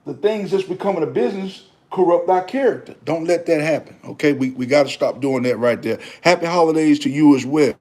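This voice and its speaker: A man's voice: on the high side, fairly quick, few pauses, a little mellow. A man in his thirties chatting on a livestream, preaching about faith and talking straight to viewers, repeating himself and calling them brother. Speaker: livestream host. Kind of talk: casual livestream chat.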